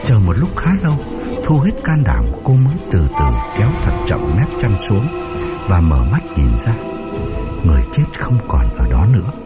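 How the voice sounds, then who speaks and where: A man's voice: fairly low pitch, big pitch swings, normal speed. A man narrating a ghost story in a suspenseful, dramatic audiobook style, over background music.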